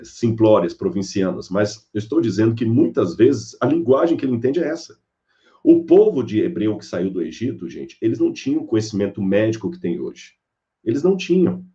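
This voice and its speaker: A man's voice: mid-range voice, muffled recording. A man giving a sermon-style Bible lecture, telling stories and acting out the people in them. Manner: animated storyteller acting out characters. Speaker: preacher.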